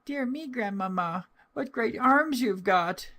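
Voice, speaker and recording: A sweet, innocent little girl with a high, sing-song voice that rises and falls in a lively way, as a male storyteller puts her on. She sounds trusting and wide-eyed, like a child in an old storybook. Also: slow, exaggerated voice. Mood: wondering. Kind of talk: storybook reading.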